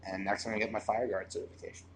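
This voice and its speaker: Fast-talking young man rambling. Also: fairly low pitch, level tone, slight background noise. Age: 20s. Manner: rambling, talks fast with many fillers. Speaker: comedian. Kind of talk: casual chat. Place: bar.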